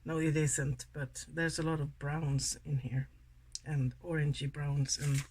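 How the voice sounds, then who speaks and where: Here a Swedish beauty vlogger in her sixties, speaking with a Swedish accent, rambles softly and casually during a makeup tutorial. Her voice is low and husky, with a flat, unhurried delivery.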